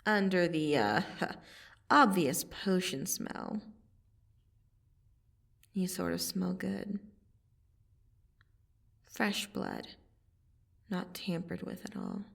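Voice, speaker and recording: Slow, creaky female vampire assassin, acted by a woman. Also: on the low side, wildly swooping pitch, recorded from a distance, exaggerated voice. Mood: teasing, curious. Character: female vampire assassin, menacing yet softening, wistful. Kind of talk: ASMR roleplay, scripted dramatic monologue.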